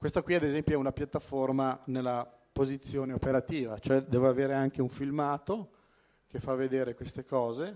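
A man with a dark, mellow tone at medium pitch speaks at a fairly quick pace with fairly even intonation. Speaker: geology professor. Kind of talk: lecture. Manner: halting.

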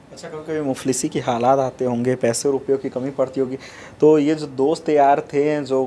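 A man speaks at a moderate pace in a fairly high, monotone voice with flat intonation over light background noise. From Deoria, eastern Uttar Pradesh, India; Uttar Pradesh, India. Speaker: news reporter. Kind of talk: interview; news report. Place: home room. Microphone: handheld.

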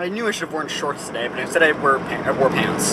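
There is noticeable background noise behind a man. The sound is dry, with no echo. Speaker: vlogger. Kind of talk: casual vlog chat. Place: car. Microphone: phone near.

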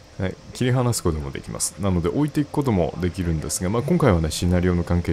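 Over noticeable background noise, a man with a very deep, low pitch talks at a fairly quick pace, his voice making very wide pitch swings. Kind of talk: game commentary.

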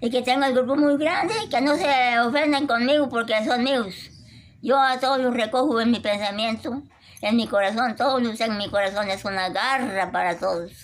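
The woman talks at a high pitch with ordinary pitch variation. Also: moderate pace. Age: 80s+. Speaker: elderly woman being interviewed. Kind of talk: interview answer. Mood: warm, grateful, blessing viewers. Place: garden. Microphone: phone near.

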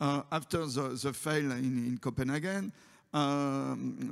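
A man's fairly high voice with a French accent over a quiet background. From France. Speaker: politician. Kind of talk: panel discussion. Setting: stage with audience. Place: hall. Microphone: podium.

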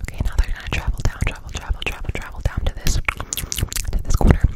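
Soft-spoken and whispering, the voice moves at a fairly quick pace. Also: woman. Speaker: ASMR creator. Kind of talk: whispered ASMR chat. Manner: soft close-mic ASMR whisper. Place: home room. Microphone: studio mic.

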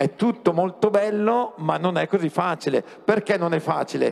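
A man at a moderate pace. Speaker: priest giving a reflection. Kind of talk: sermon. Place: church. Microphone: headset.

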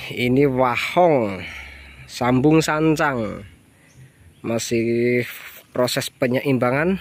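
Delivery is very slow, with long, frequent pauses and ordinary pitch variation in a Central Javanese accent. The sound is dry with no echo. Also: man, medium pitch for a man. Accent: Central Javanese (medok). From Central Java (Banjarnegara). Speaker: bonsai hobbyist YouTuber. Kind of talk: casual vlog tour. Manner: rambling, filler-heavy. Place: garden. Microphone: phone near.

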